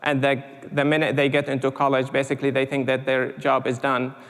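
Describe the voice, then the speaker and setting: A man from Syria speaking in a lecture hall, with a gravelly voice and a flat, even delivery. He halts often, with many "uh"s and repeated words. A long reverb trails his speech. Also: mid-range voice, brisk. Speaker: panel speaker. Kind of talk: conference talk.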